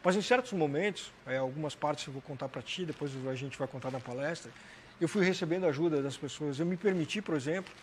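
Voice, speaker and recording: A man's voice: on the high side, a little mellow, a little hiss or hum. A man in his forties with a southern Brazilian accent from Santa Catarina, telling his personal story conversationally as a guest in a TV interview. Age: 40s. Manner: conversational, frequent "né" and "cara" tags. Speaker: interview guest, motivational speaker. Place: TV studio, indoors. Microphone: lapel mic.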